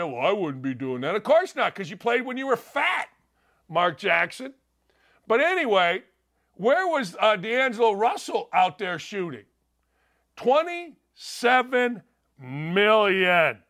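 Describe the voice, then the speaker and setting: Middle-aged male sports host, studio; high, sharp-toned, sarcastic shouting rant. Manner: loud ranting, mocking, sarcastic.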